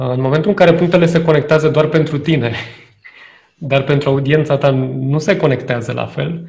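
A man's fairly high-pitched voice with vocal fry, fairly even intonation and a moderate pace. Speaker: corporate trainer and coach. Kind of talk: interview.

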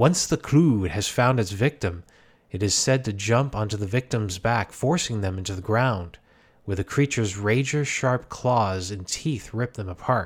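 A man's fairly low, somewhat breathy voice with ordinary pitch variation, on a very clean recording with a silent background. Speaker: podcast host. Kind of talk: casual chat reading an article aloud, with dramatic horror narration of ghost stories. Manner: casual, chatty and self-deprecating; slow, ominous, suspenseful narration when telling the tales.

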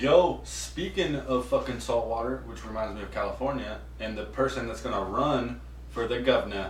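A man at a moderate pace in a Texan accent, with audible room echo and noticeable background noise. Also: hardly any pauses. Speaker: podcast co-host. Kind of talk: casual chat.

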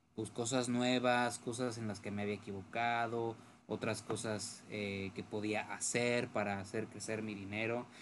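A plain, everyday voice: a man at medium pitch, fairly slow pace, fairly even intonation. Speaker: podcast co-host. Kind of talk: casual chat.

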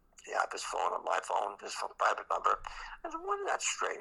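A man whispers in an American accent. His pace is fairly quick. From US Northeast, New York. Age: 70s. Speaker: archery industry founder and bowhunter. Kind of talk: casual interview conversation.

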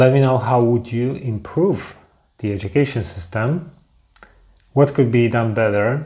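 A man with a Polish accent speaks at a fairly slow pace in a dark, mellow, somewhat breathy tone, with ordinary pitch variation and long, frequent pauses. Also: medium pitch for a man. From Poland. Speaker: YouTuber and life coach. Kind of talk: casual monologue to camera.

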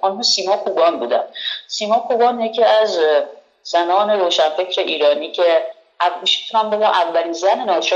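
A woman in a Tehran accent, medium pitch and lively intonation, at a moderate pace. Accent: Tehrani Persian. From Tehran, Iran. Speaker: writer and reading promoter. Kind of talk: interview.

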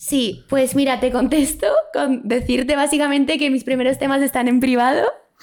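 A woman's high-pitched voice keeps a fairly even intonation. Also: moderate pace, very even loudness. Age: 20s. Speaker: musician and content creator. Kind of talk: casual interview chat.

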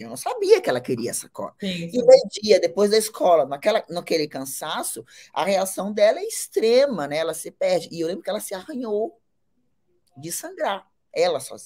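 Her loudness swings in big ways as a woman talks at a medium speed. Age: 40s. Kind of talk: interview.

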